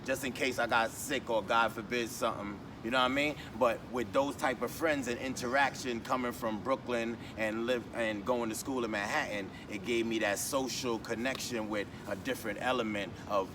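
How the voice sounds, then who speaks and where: A man recalls old days in a loose, rambling way, full of ums and restarts. He sits back from the mic, and the sound is thin and distant. Street noise runs clearly behind him. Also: medium pitch, steady tone, moderate pace, few pauses. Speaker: podcast guest. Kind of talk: casual storytelling chat.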